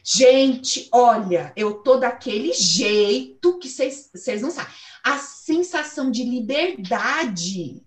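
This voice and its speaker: A woman in her thirties with a Brazilian accent, giving a blunt, animated motivational talk and swearing freely. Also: a little high, slow pace, echoey room. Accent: Brazilian Portuguese. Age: 30s. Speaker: host and coach.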